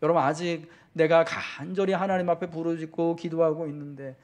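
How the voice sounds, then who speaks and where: A male pastor delivering a Sunday sermon, talking straight to the congregation with repeated questions and swelling, slowed-down emphasis on key words. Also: on the high side, fairly even intonation. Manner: fervent preaching that slows and swells for emphasis.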